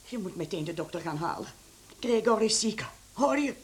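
A woman's voice: medium pitch, expressive, normal speed, close to an everyday voice. An actress in a radio play playing a middle-aged, worried and protective mother with a polite, apologetic way. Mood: urgent. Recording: slightly noisy radio drama recording.

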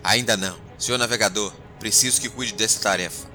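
A commanding starship captain with a Brazilian accent and a low voice, played by a male actor. He gives resolute orders over prominent music, as in a sci-fi radio play. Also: fairly quick, close to an everyday voice. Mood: grave, resolute. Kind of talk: audio drama acting.

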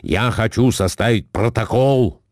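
A man's voice: lowish voice, a little slow, dry recording, clean studio sound, close to an everyday voice. A man voicing a flustered middle-aged husband who swings from meek muttering to indignant bluster.

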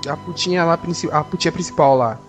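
A man's voice: a little high, fast, soft background music. A man with a Brazilian accent hosting a casual film podcast, rambling with many restarts and jokes. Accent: Brazilian Portuguese. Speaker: podcast host and editor.

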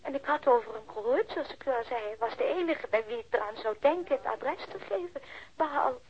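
A high-voiced middle-aged widow, gives guarded, halting answers in a naturalistic radio play. She is reticent and careful. The recording is dull and lo-fi. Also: lively intonation. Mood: uneasy. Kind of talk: naturalistic radio drama acting.

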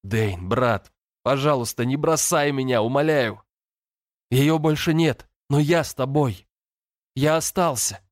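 A man voicing a frightened teenage boy who begs and shouts in desperation over his brother. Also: medium pitch, a little slow, no echo, studio quality, voice pushed up, natural voice. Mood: pleading. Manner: frantic, pleading outbursts.

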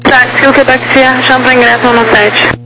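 High-voiced Brazilian woman on crackly military-style radio. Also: level tone, fairly quick. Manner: clipped, procedural instructions in crackly military radio manner. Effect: crackly two-way radio. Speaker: air traffic controller. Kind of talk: radio air traffic phraseology. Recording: noisy radio with hum.

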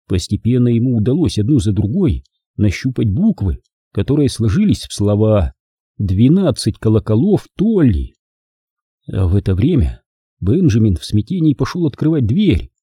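Dark, husky-voiced male narrator. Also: lowish voice, normal speed, no room sound, studio quality. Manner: lively, expressive storytelling. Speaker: audiobook narrator. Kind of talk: scripted narration.

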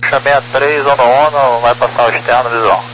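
A man's voice: mid-range voice, level tone, brisk. Male aviation radio voice, middle register, clipped wording, crackle and hum. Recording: humming, noisy radio transmission.

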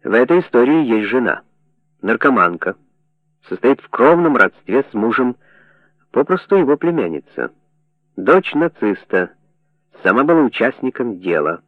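Мужчина в роли ироничного советского чиновника. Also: male voice, medium pitch, very animated, normal speed, long pauses, no echo. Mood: wry. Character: Soviet official, wry and confident. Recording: dry narrow phone-like sound.

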